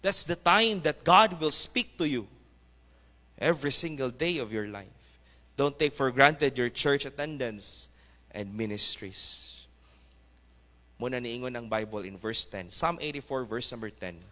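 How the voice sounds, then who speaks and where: A man's voice: medium pitch, expressive, a little slow, bright, forceful tone. A male pastor preaching a fervent sermon, mixing English exhortations into his talk. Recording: echoey church hall.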